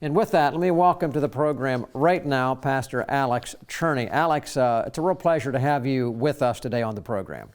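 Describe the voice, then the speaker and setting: A man's voice: medium pitch, fairly quick, few pauses, clear, resonant tone. A man hosting a Christian talk program, introducing his guest and asking questions with frequent fillers. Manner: reads a letter aloud, then interviews with fillers. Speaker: host. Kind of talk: broadcast talk show hosting.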